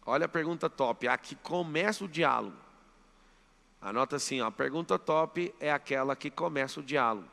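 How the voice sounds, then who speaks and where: A mentor with a Brazilian Portuguese accent runs a live motivational seminar, pushing the crowd with emphatic commands. He has a high, deeply gravelly voice with a bright, forceful edge, and he speaks expressively at a moderate pace. Each phrase trails off in the long reverb of the big hall.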